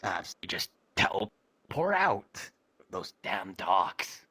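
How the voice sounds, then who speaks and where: Surly low-voiced male adventurer, played by a man. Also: big pitch swings, very slow, bright, forceful tone, husky, no room sound, exaggerated voice. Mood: grumbling. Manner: blunt, terse, grumbling, swearing. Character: gruff, grudging, surly adventurer needing help. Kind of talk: improvised virtual reality roleplay.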